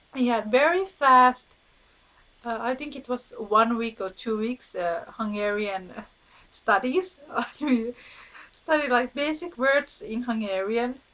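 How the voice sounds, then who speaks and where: In a Finnish accent, a woman speaks very slowly at a high pitch with lively intonation and long, frequent pauses. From Finland. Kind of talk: casual talk to camera.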